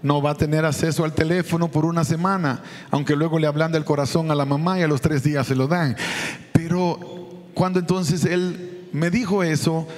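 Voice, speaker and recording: A man's voice: on the high side, fairly even intonation, moderate pace, big-room sound. A man preaching a sermon as a pastor, telling a personal story and acting out the dialogue.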